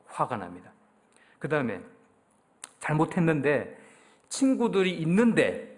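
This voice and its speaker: A middle-aged man with a Gyeongsang accent preaching a conversational sermon to his congregation, often putting questions to them. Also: on the high side. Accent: Daegu Gyeongsang Korean. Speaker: pastor. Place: church sanctuary.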